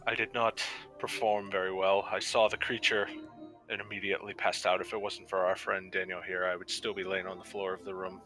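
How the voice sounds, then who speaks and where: A man with a low, bright, forceful voice speaking in formal, stiff character phrasing during a tabletop roleplaying session. Faint music plays behind him. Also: flat delivery, brisk. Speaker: player voicing a formal investigator. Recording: music playing underneath.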